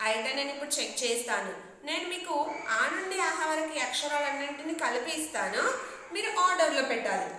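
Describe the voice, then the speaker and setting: A woman's voice: sits high, lively intonation, brisk, noisy background. A woman teacher from India leading a letter lesson for young children, coaxing them with questions. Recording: echoey room.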